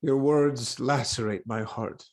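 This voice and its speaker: A man's voice: medium pitch, takes it slowly, a little mellow, close to an everyday voice. Guy playing a troubled king in greek tragedy, grave and declamatory, weighing every word. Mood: anguished, fearful. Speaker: actor giving a dramatic reading. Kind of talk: live dramatic reading of ancient Greek tragedy. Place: online video call.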